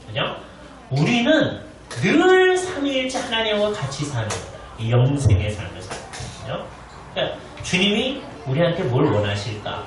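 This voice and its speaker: Echoing preacher in a big church hall. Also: male voice, on the high side. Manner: conversational, often asks the congregation "right?". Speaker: guest preacher, professor. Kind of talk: sermon at a Bible conference. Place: church sanctuary. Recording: very echoey church hall, distant mic, faint noise.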